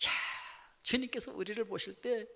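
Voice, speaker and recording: Male pastor, dramatic sermon, high bright voice, echoing church hall. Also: steady tone, moderate pace, gravelly. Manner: dramatic, swinging from loud to hushed. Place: church sanctuary.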